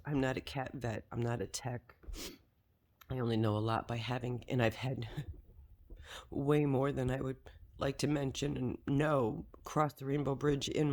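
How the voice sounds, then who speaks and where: Slow, halting man rambling through an explanation. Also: medium pitch, darkish tone. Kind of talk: personal explanation, unscripted vlog.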